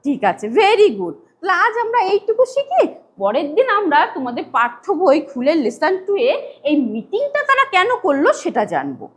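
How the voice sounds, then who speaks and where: এক মহিলা শিক্ষক ছোট বাচ্চাদের ডেমো ক্লাস নিচ্ছেন, সুর করে উৎসাহ দিয়ে প্রশ্ন করছেন আর ইংরেজি শব্দের বানান অক্ষর ধরে ধরে বলছেন।. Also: female voice, very high-pitched, wildly swooping pitch, moderate pace. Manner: singsong, coaxing, spells words letter by letter. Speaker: teacher giving a demo class. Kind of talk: demo lesson to young children.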